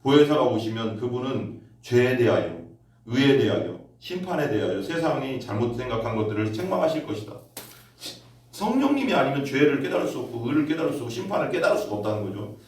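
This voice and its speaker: A man's voice: quick pace, recorded from a distance. Preaching man in an echoey church. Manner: storytelling, rises sharply in pitch when excited. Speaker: pastor. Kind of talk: sermon. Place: church sanctuary.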